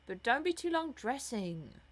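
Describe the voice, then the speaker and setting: A woman voicing a gruff, good-natured young working lad in an audiobook, with a blunt, grumbling manner. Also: high-pitched, big pitch swings, a little slow, pitched above the performer's own voice, exaggerated voice. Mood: reluctant. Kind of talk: audiobook character voice.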